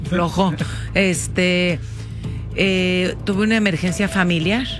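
A woman's voice: lowish voice, steady tone, slow. A woman with a Mexican accent co-hosting a playful radio show, teasing and laughing often as she trades banter. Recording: radio studio with music behind.

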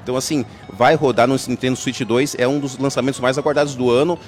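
A man's voice: medium pitch, steady tone, fast, soft background music. A man from Brazil, a game store owner, chatting in an upbeat, salesy way as a guest at an outdoor festival. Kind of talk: casual promotional interview.

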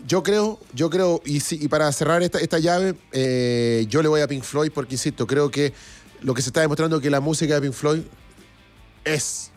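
A man's voice: fairly high pitch, normal speed. A Chilean man co-hosting a live music stream, chatting casually and reading viewer comments aloud. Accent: Chilean Spanish.

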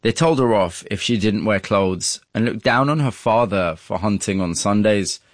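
A man hosting and narrating, telling the story in a measured way and asking interview questions in a studio. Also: fairly low pitch, no echo. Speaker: host and narrator. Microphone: studio mic.

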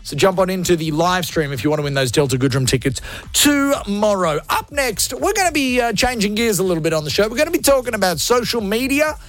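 A man's voice: sits high, lively intonation, fast, a bit bright. A man hosting a radio show, hyped and jokey, poking fun at himself. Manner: hyped, jokey, self-mocking. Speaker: radio host. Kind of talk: energetic radio banter. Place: radio studio.

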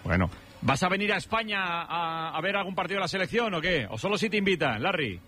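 A man from hosting a radio show, chatting and teasing his guests with quick jokes. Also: high-pitched, very animated, bright, forceful tone. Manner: jokey, teasing, fast-talking. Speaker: radio host. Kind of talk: lively radio chat.

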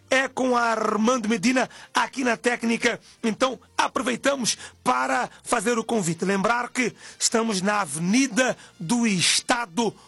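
A man's voice: very high voice, vocal fry, a bit bright, husky, dry recording. A man hosting live religious radio, effusive and preacherly, chatting with the technician. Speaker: radio presenter and church elder.

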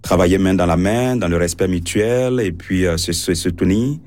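Priest, male, low voice, thoughtful hesitant interviewee, dry studio mic. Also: normal speed, darkish tone, dry recording. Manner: hesitant, many fillers and restarts. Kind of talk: radio interview answers.

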